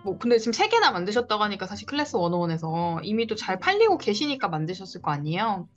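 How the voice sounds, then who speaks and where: Over a video call, a thirtysomething coach for independent lecturers offers a client encouragement and advice one-on-one, her medium-pitched voice sing-song and quick. Faint guitar music plays behind the dull, lo-fi call audio.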